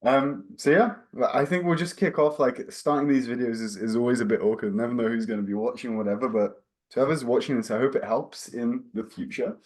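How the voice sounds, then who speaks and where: A man hosts a relaxed interview in a chatty, friendly way. He asks loose questions full of fillers and drops casual swear words. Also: mid-range voice, a little fast. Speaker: interview host.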